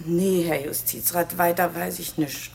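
An actress playing a plain-spoken village maidservant in a radio crime drama, colloquial and matter-of-fact. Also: female voice, fairly low pitch, fairly even intonation, measured pace, vocal fry, a little mellow, a little hiss or hum. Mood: plain, slightly impatient. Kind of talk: German radio play acting.

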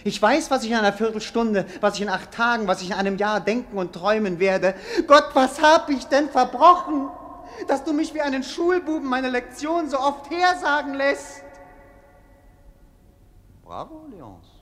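An actor playing a melancholic, bored young prince in a German radio play, speaking in a declamatory, world-weary, poetic way. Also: male voice, very high voice, expressive, moderate pace, a bit bright. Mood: restless self-mockery.

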